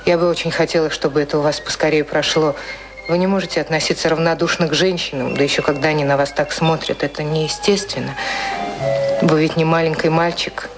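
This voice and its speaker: Искреннюю Лиззи, низкий женский голос на музыке. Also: female voice, low-pitched, fairly even intonation, a little fast. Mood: worried reproach. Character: Lizzie, frank, caring working girl, gently scolding. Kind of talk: radio play acting. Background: music.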